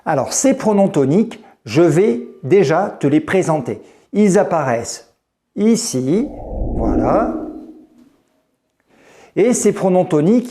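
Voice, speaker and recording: A male French teacher speaking slowly and deliberately, his voice rising and falling a lot as he lays out each point. His tone is mellow and soft-edged, and he gives the example words in a clear, careful delivery. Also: sits high. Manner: slow, deliberate, lively intonation. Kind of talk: explaining grammar to the viewer.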